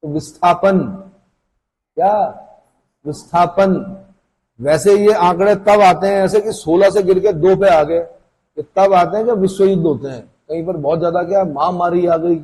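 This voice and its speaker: A man's voice: sits high, moderate pace, a little mellow, slightly rough, rough recording. A man teaching an exam-prep class, lecturing casually and asking questions that he answers himself. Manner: conversational, asks questions and answers them himself.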